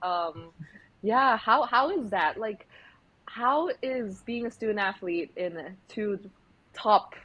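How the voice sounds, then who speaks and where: A woman's voice: medium pitch, expressive, slow pace, dull audio. A woman hosting a casual podcast interview, chatty and giggly, with many fillers. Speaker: podcast host.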